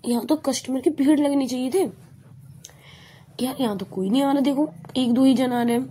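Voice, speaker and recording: A woman's voice: high-pitched, moderate pace, dark tone, slight background noise, voice pushed up, lightly acted. A woman doing a fussy caring young woman. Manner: fussy, protective, breezy.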